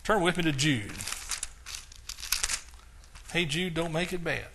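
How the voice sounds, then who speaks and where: A man's voice: a little high, slow, noisy background. An older man preaching a sermon, reading scripture aloud with rising emphasis and explaining it in a casual, conversational way.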